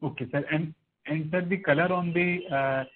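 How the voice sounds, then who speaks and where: Raspy Indian man calling in by phone. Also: a little high, steady tone, moderate pace. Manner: deferential, often saying sir. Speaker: caller, investor or analyst. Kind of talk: questions on an earnings call. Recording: tinny narrowband phone line.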